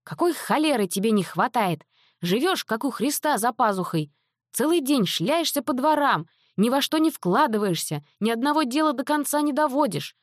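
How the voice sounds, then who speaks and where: A woman voicing a frantic, scolding middle-aged mother in an audiobook, her delivery shrill and exasperated. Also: very animated, normal speed, dry recording, studio quality. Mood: indignant. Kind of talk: audiobook character voice.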